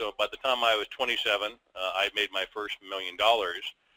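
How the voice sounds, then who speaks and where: Pitched at a medium level, a man talks fairly quickly. His pitch varies in an ordinary way. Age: 60s. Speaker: business executive. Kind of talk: personal story on a conference call. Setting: phone call. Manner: halting, many fillers.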